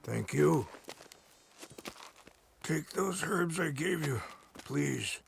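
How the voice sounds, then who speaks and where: An actor playing a dignified, calm middle-aged tribal leader in a video game, speaking in a measured, formal and gentle way. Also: male voice, fairly high pitch, gravelly, a little hiss or hum, heavily acted. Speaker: tribal chief. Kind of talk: video game cutscene dialogue. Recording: orchestral game score behind.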